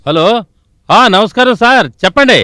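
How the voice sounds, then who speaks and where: A man's voice: high-pitched, animated, normal speed, pushed and bright, clear, resonant tone, dry recording. An actor playing a bossy, scheming village strongman who barks orders, in a 1980s film drama.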